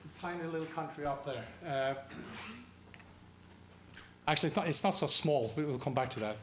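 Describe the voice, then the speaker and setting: A man's voice: on the high side, moderate pace, a bit bright, a little hiss or hum. A man from Norway with a Norwegian accent, speaking English as a second language in a university guest lecture, hesitant with many fillers and restarts and light jokes for the audience. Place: lecture hall.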